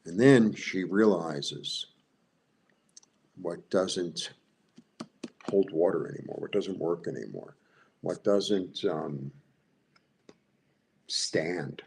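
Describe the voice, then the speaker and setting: A man's voice: sits low, extremely slow, gravelly, pauses often, darkish tone, slightly rough. A man with a Brooklyn Jewish accent giving a live tarot reading, rambling, repeating himself and asking the viewers "right?". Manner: talks to viewers directly, asks "right?". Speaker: tarot reader.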